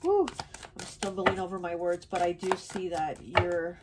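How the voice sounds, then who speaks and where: A woman doing a casual tarot reading speaks in a fairly low, unhurried voice with fairly even intonation, rambling with lots of fillers and restarts. Her allergies make her sound stuffy and nasal, and the recording is very noisy.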